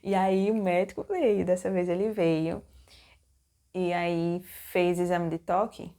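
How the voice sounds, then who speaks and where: A young woman recounts her childbirth to her viewers in a casual, halting way, stopping to act out her own remembered lines. Her voice is mellow and dark, with a gravelly fry. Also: on the low side, flat delivery. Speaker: mom vlogger. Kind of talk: personal birth story, casual narration.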